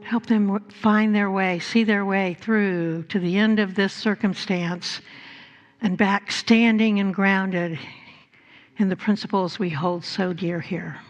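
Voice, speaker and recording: Female minister, very unhurried and measured, mid-range pitch, guiding a congregation through prayer. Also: fairly even intonation, muffled recording, soft background music. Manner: measured, with long pauses between phrases. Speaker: pastor. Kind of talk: church service talk and guided prayer. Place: church service before a congregation.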